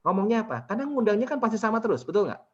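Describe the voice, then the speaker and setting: A man's voice: high-pitched, rapid-fire. A man leading a business workshop, talking to participants and asking them questions often. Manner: lively, keeps asking the audience questions. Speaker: business trainer. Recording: dull lo-fi recording.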